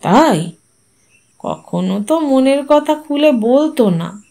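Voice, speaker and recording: Woman reading a grown son, quiet and held back, close to her own voice. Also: sits high, expressive, slow pace, exaggerated voice. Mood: questioning. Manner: quiet, restrained. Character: grieving adult son, quiet and restrained.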